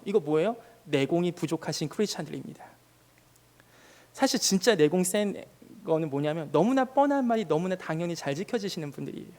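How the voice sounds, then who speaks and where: A man in his thirties, a junior pastor preaching a sermon in a lively, conversational way with touches of humor. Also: high voice. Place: church sanctuary. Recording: long reverb in a church hall.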